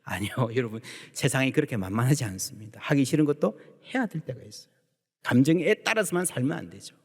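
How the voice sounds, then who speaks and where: A male pastor preaching a sermon in a church sanctuary, lively and emphatic, acting out the voices he quotes. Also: mid-range voice, quick pace, slightly rough. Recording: long church hall reverb.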